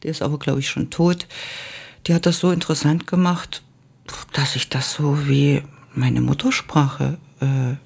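An older woman from East Germany, a former Russian teacher, recalling her past slowly and with many hesitations in an interview. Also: sits low, steady tone, gravelly, darkish tone, husky. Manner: slow and reminiscent, with frequent hesitations. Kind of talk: oral history interview.

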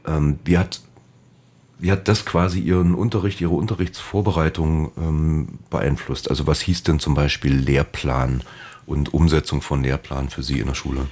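A man's voice: a bass voice, steady tone, moderate pace, darkish tone, slightly rough. A man interviewing, asking long, winding questions full of fillers. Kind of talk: oral history interview.

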